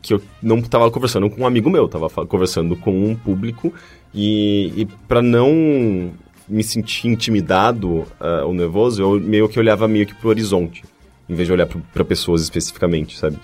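Low-voiced Brazilian man, halting casual talker. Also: darkish tone. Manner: halting, repeats and stumbles over words. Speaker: podcast co-host. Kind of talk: casual conversation. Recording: music behind.

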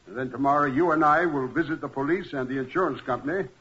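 An actor playing a smug, scheming villain in a 1940s radio crime drama, gloating deliberately with cool menace. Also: male voice, mid-range voice, fairly bright tone, a little hiss or hum, close to an everyday voice. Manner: smooth-talking, gloating, deliberate. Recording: muffled, dull vintage 1940s radio recording.

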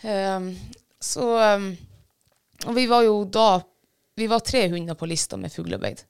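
A woman's voice: medium pitch, sing-song, creaky, clear, resonant tone. A woman, a bird dog handler, casually retelling a field trial with many fillers and restarts. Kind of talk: casual storytelling.

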